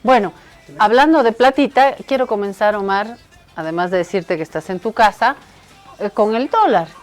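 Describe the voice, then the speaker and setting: Woman TV host, lively conversational manner, teasing, faint music behind. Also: mid-range voice, normal speed. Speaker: TV show host. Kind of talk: casual TV talk show.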